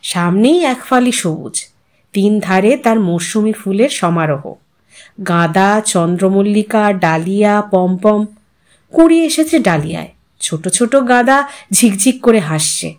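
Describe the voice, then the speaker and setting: A woman's voice: mid-range voice, expressive, a little slow, darkish tone. A woman reading a literary story aloud as a narrator, in a dramatized, musing manner. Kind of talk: expressive scripted story narration.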